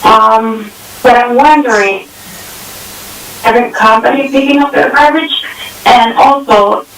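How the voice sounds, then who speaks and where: A woman commissioner calling in to a public meeting, asking slow, halting questions over distant phone audio that keeps breaking up. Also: on the high side, fairly bright tone. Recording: distant roomy phone line with hiss.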